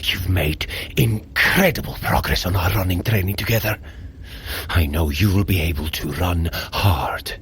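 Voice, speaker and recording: Noble warrior god, real deep n slow, solemn old-timey hero talk, audio drama. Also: male voice, a bit bright, husky, heavily acted. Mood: solemn reassurance. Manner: solemn, archaic heroic diction. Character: noble, protective, booming warrior god, earnest and proud.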